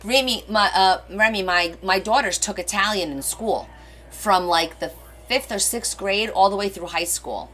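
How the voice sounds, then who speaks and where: A woman's voice: mid-range voice, normal speed, fairly bright tone. A middle-aged woman whose first language is Portuguese, chatting casually and rambling as she hosts a live crafting stream and answers viewer comments. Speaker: crafting livestream host.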